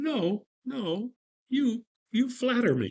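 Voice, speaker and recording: Soft-spoken, a man puts on a character voice pitched extremely high. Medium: read story. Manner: soft, shy.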